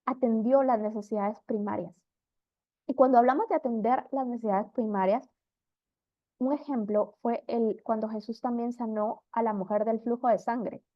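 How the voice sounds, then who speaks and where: Woman Bible teacher, fairly high voice, earnest storytelling, dull lo-fi sound. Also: steady tone, moderate pace, dry recording. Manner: earnest storytelling, acts out quoted figures.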